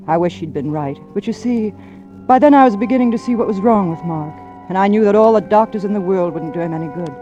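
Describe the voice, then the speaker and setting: An actress playing a devoted young wife in a 1940s radio drama, with earnest, emotional delivery. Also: female voice, fairly low pitch, mellow, close to an everyday voice. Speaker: radio drama lead and narrator. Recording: dull lo-fi vintage radio broadcast.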